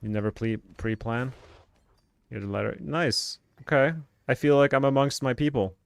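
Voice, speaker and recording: Recorded dry, a game streamer with a light Swedish accent chats casually as he plays live, wandering from thought to thought with plenty of fillers. The man's voice is clear and resonant, medium in pitch with some vocal fry, at a moderate pace.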